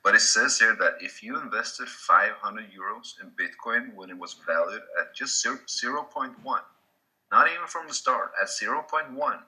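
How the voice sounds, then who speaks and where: A man with a Swedish accent, a native Swedish speaker, giving a casual slide presentation with halting restarts. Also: lowish voice, bright, forceful tone, low-quality recording. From Sweden.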